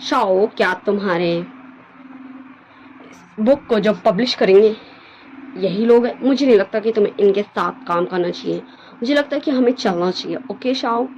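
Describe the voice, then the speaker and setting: A woman's voice: medium pitch, normal speed, long pauses, a little mellow, lo-fi sound, a little hiss or hum, lightly acted. A woman voicing a young man who stammers when shaken and turns curt and firm when brushing someone off. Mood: cold. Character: young man, rattled then coldly dismissive.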